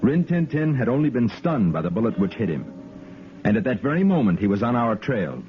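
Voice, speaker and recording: A man playing a steady army lieutenant. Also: mid-range voice, a little fast, faint music behind, lightly acted. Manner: calm, matter-of-fact. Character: steady army lieutenant narrating his adventure. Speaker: narrator and hero. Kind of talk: 1950s radio drama narration. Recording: muffled old radio broadcast with hiss.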